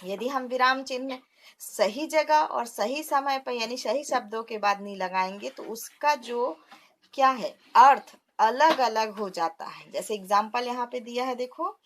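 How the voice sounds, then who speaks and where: A woman with a fairly high voice teaches a classroom lesson in patient steps. She poses questions to her students and answers them herself, dropping terms in as she goes. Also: unhurried, slight background noise. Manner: explains step by step, asks and answers her own questions.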